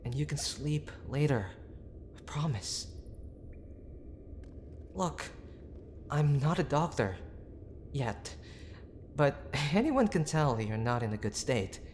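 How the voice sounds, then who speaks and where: A man acting a gruff but tender young boyfriend who is desperately worried, speaking in a halting, pleading, intimate way for an audio roleplay. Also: a little high, expressive, a little mellow, a little hiss or hum. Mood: reassuring, anxious. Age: young adult. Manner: halting, pleading, with sighs and breathy asides.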